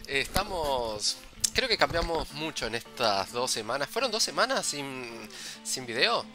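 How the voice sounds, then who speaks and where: A man's voice: medium pitch, very animated, a little slow, pushed and bright, soft background music. A man with an Argentine Rioplatense accent co-hosting a podcast in casual, joking chat, constantly tossing in "viste". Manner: loose, joking, peppers talk with "viste". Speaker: podcast co-host.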